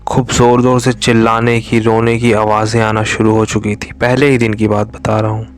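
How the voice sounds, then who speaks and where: A man slowly telling a true horror story, his voice sinking to a whisper at tense moments. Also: fairly low pitch, little pitch movement. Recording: faint music behind.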